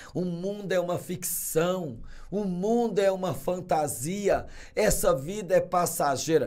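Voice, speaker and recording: A man talks at a very slow pace in a high pitch with a dark, mellow tone. The background is quiet. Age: 40s. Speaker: podcast guest, preacher. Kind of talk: testimony in podcast interview. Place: studio. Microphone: studio mic.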